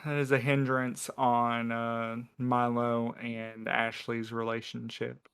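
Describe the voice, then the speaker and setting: Man, smooth clean voice, slow pace, casual podcast chat, dry humor, measured. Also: mid-range voice, monotone, a bit bright. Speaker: podcast crew member answering questions.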